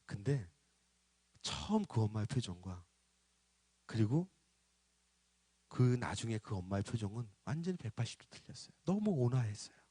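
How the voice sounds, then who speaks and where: A man preaching in a church, telling a story with animated delivery and acting out voices. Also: on the low side, moderate pace, pauses often, slightly rough, no room sound. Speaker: pastor. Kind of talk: sermon.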